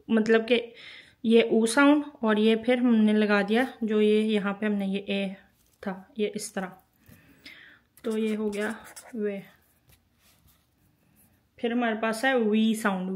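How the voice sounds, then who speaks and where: Casting: woman teacher, slightly high voice, unhurried patient lesson delivery. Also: a little mellow. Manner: patient, repeats each sound several times; writes while explaining. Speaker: language teacher. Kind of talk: spoken lesson.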